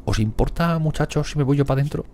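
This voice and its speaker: A man's voice: fairly high pitch, fairly quick, dark tone, a little hiss or hum, pitched above the performer's own voice, natural voice. A man voicing a tough psychopathic woman colonist, asking politely in a drawl. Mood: meek, asking.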